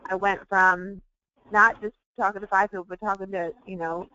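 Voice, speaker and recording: Female webinar guest, smooth clear voice at medium pitch, candid informal storyteller; dry, somewhat dull recording. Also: level tone, normal speed, sharp tone, no echo. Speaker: webinar guest, sales team member. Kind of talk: conversational personal testimonial.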